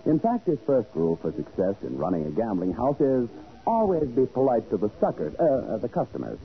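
Animated 1940s radio announcer, a man. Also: mid-range voice, a little fast. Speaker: announcer and narrator. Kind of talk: 1940s radio scripted narration. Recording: dull 1940s radio broadcast recording.

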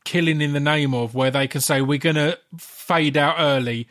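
A man's voice: fairly high pitch, moderate pace, a bit bright. A British man hosting a podcast interview in a casual, matey, informal way with some swearing. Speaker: podcast host.

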